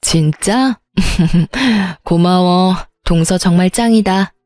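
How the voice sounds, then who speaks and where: A woman's voice: lowish voice, extremely slow, darkish tone, dry recording, faint music behind. A woman voicing an easygoing, cheerful older sister-in-law in a narrated story.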